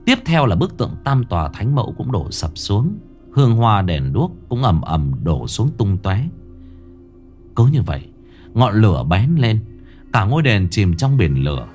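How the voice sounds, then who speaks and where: A man's voice: lowish voice, very animated, unhurried, darkish tone, faint music behind. A man narrating a ghost story in a dramatic storytelling manner.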